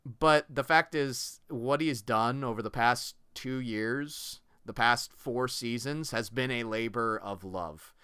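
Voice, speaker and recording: A man's voice: medium pitch, slow pace, hardly any pauses, sharp tone, smooth, dry recording, clean studio sound. A man hosting a livestream, talking casually and earnestly as he thanks viewers. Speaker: livestream host.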